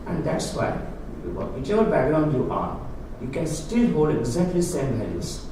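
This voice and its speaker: Guy explaining stuff to a crowd, earnest, kinda high voice, super echoey room, distant mic. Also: sing-song, measured pace. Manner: earnest, explanatory, non-native phrasing. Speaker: guest speaker on Hindu philosophy. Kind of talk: public talk answering audience questions. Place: lecture room with audience. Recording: echoey hall, speaker far from mic, noisy.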